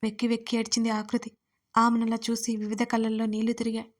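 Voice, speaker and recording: A woman narrating an audio story in a steady reading voice. Her pitch sits somewhat high. She keeps an even, level contour with little melodic movement. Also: quick pace.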